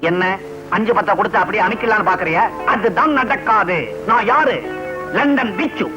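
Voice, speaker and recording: An actor playing a bumbling, excitable young man in a 1980s film comedy, theatrical and mixing in stiff English phrases. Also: sits high, moderate pace, natural voice. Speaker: comic hero posing as a London visitor. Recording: dull lo-fi old film soundtrack with music.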